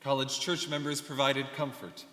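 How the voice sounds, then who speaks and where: A young man of medium pitch acts out a reflective immigrant teacher telling his life. His scripted delivery is steady and solemn, washed in the echo of a large hall. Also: moderate pace, lightly acted. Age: young adult. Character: reflective male immigrant alumnus and devoted teacher. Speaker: student performer in a dramatic reading. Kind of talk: scripted first-person dramatic reading. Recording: echoey hall, long reverb.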